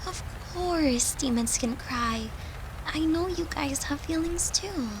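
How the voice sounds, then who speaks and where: High-pitched, tender, worried girlfriend, played by a woman. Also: slow pace, background noise. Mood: gentle, reassuring. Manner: soft, coaxing, hesitant, sometimes whispery. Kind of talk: intimate audio roleplay addressed to the listener.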